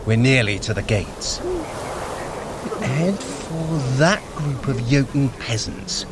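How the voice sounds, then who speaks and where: A man's voice: medium pitch, sing-song, slow pace, heavy background noise. An actor playing a sly, scheming male trickster god in an audio drama, wry and commanding. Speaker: Loki.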